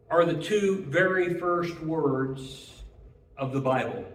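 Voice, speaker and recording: A man's voice: on the high side, a bit bright, reverberant, far from the mic, rough recording. A man preaching a sermon in an earnest way, who often repeats words as he restarts and draws out key phrases.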